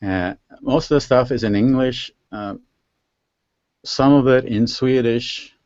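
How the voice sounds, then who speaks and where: A Finnish man, a native speaker with a Finnish accent, hosts a casual interview over a live video call, often searching for words. His voice is medium-pitched and darkish, his pace slow, with no echo, and the online call audio is dull and lo-fi.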